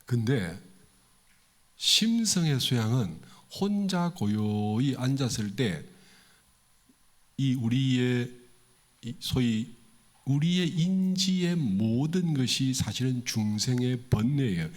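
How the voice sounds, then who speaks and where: A man's voice: big pitch swings, slow, pauses often. A man preaching a sermon to a congregation in a temple hall, in a conversational way, asking his listeners questions and acting out the voices he quotes. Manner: acts out quoted voices with big pitch swings. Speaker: pastor.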